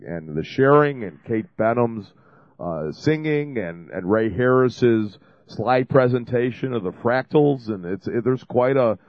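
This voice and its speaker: Chatty low-voiced radio host man. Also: no room sound, lo-fi sound. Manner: chatty, rambling, jokey. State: has a cold. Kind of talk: casual call-in radio talk. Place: radio studio.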